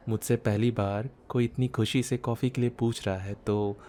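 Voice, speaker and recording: A man acting a shy, bookish man in his thirties in an intimate ASMR romance roleplay, speaking softly as if musing, with some background noise. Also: medium pitch, close to an everyday voice. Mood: bashful, pleased. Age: 30s. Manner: soft, unhurried, intimate, musing. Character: shy, bookish, self-doubting thirty-year-old man, tender romantic lead. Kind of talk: ASMR boyfriend roleplay audio drama.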